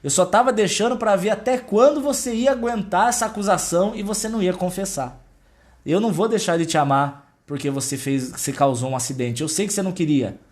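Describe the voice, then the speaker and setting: A man voicing a loving but stern father who gently forgives his son in a story told during a sermon. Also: high voice, a little fast, lightly acted. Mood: tender forgiving.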